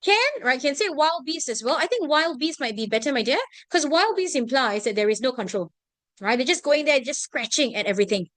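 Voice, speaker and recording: Her voice is high and brisk, with no room sound at all. She's a Singaporean-accented tutor leading an online revision session, lively and tossing out "right?" or "okay?" to her students after almost each point.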